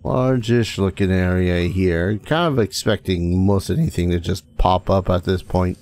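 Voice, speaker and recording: A man's voice: low voice, measured pace, darkish tone. A man hosting a let's play as game master, chatting casually with hesitant, dry, self-mocking humor. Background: game music.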